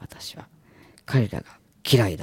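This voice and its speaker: On a very clean recording with a silent background, a woman's voice is heard. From rural Hiroshima, Japan. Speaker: dental hygienist and English learner. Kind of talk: casual radio chat.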